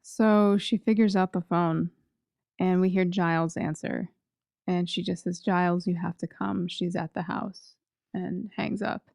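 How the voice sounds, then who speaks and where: A woman's voice: fairly low pitch, steady tone, unhurried, vocal fry, darkish tone, dry recording, studio quality. A woman co-hosting a podcast in a casual, conversational style. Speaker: podcast co-host.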